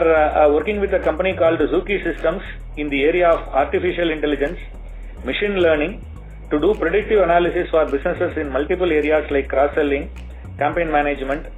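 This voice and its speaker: A man with an Indian accent giving corporate earnings-call remarks as a bank executive, halting and hesitant, with many filler pauses. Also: fairly high pitch. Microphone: telephone conference line. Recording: tinny phone line, faint music.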